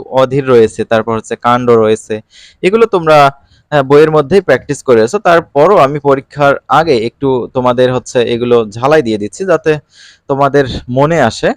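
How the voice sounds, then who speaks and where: A man tutoring students online in a relaxed, colloquial way, reading out exercises and answers with frequent fillers. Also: mid-range voice, no room sound. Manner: casual colloquial teaching with fillers. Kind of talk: exam-prep lesson.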